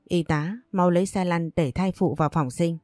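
A woman voicing a brisk middle-aged female doctor who gives short, commanding orders. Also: fairly low pitch, darkish tone, no echo, studio quality, faint music behind, lightly acted. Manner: curt, commanding.

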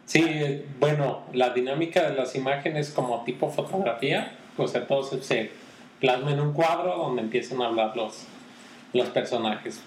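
A man's voice: mid-range voice, normal speed. A man chatting casually about films on a podcast, hesitant and often restarting his sentences. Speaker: podcast co-host, film commentator. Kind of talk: casual chat. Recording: roomy echo with faint background noise.

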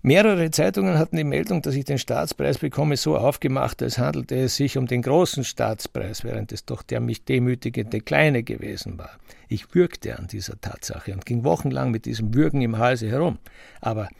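A bitter sardonic writer, really creaky voice, close dry sound, emphatic radio play monologue. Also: male voice, mid-range voice, normal speed, darkish tone, no room sound. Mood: bitter, resigned. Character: aggrieved Austrian writer nearing forty, scornfully recounting his life. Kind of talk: literary first-person radio drama monologue.

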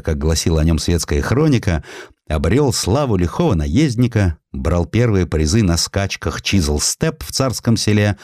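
A man narrating historical prose as a dramatic audiobook, with theatrical, expressive storytelling. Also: low voice, no room sound, clean studio sound.

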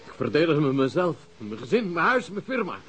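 An actor playing a hysterical, self-righteous family man and killer in a radio drama, indignant and shouting. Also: big pitch swings, fairly quick. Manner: indignant, shrill, shouting outbursts.

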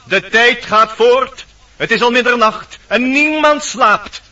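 A man's voice: extremely high pitch, slow pace, pushed and bright, heavily acted. A man playing a wondering fairy-tale storyteller, narrating a radio play with theatrical suspense. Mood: suspenseful, wondering. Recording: dull radio recording, distant mic.

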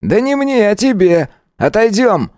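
A man's voice: sits high, big pitch swings, unhurried, darkish tone, dry recording, clean studio sound, voice pushed up. A man voicing a brash, mocking teenage schoolboy who taunts and swaggers.

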